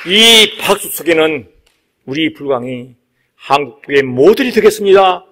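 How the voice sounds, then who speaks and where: High-pitched man preaching an emphatic Buddhist sermon. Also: lively intonation, normal speed, bright, forceful tone. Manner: emphatic, repeats key phrases for stress. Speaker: Buddhist monk giving a dharma talk.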